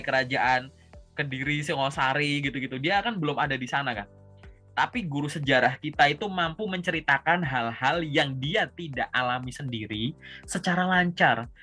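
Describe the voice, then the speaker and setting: A man's voice: mid-range voice, bright, forceful tone. A young man from Java coaching a job seeker over a video call in casual, conversational talk, often ending points with a tag word and asking if the listener follows. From Java, Indonesia. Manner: conversational, repeats "gitu" and checks understanding with questions. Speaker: career coach.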